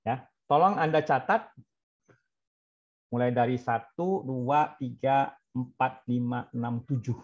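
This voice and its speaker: A man's voice: medium pitch, takes it slowly. Brief: male trainer, keeps asking the class questions, drops in English example lines, dull lo-fi audio. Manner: quizzes trainees, mixes in English example phrases. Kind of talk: interactive online class.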